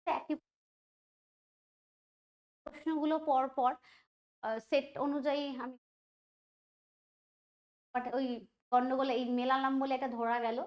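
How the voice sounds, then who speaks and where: A woman's voice: high voice, flat delivery, slow pace, pauses often. A woman teaching an online quiz lesson, chatty and thinking aloud, often asking the students questions. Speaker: exam prep teacher.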